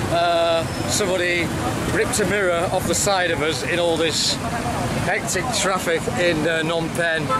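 A man at a moderate pace over loud background noise, with a dry sound and no echo. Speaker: travel vlogger. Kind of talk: casual vlog chat. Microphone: phone near.

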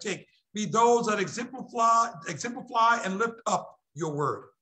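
Projecting in a raised voice, this man has a bright, sharp tone. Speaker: pastor. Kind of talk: sermon opening prayer. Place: church.

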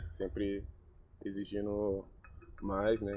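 A man speaks with a fairly low pitch in a dark, mellow tone. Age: 20s. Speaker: volleyball player; interviewee. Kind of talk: casual interview. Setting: volleyball court during training. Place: stadium. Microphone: handheld.

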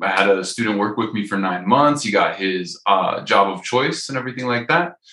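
A man with a fairly low voice talks, and room echo can be heard around him. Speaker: book club moderator and tutoring business owner; book club moderator, tutoring business owner. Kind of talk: casual chat. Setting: video call. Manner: hesitant, many fillers. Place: home room. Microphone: video call.

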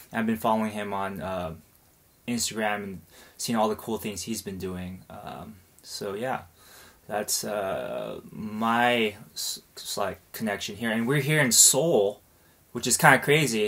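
The voice is bright and sharp, with an American accent. It moves at a fairly slow pace with long, frequent pauses. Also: man, fairly low pitch for a man, ordinary pitch variation. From United States. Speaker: podcast host and film producer. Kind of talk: casual interview. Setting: recorded in Seoul. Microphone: webcam.

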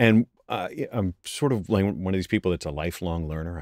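A man's very deep, low voice with lively intonation, in a dry sound with no echo and a quiet background. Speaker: voice actor, podcast guest. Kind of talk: interview answer. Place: booth.

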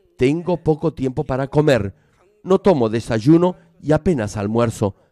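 In a very clean recording with a silent background and a dry, close sound with no echo, a man speaks at a fairly slow pace in a fairly high pitch, his tone dark and mellow and his intonation lively. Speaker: pastor. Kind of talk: sermon.

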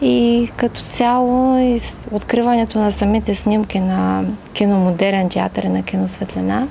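A woman at a fairly slow pace, her loudness very even, with light background noise. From Bulgaria. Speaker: archivist. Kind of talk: interview. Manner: halting. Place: garden. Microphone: handheld.

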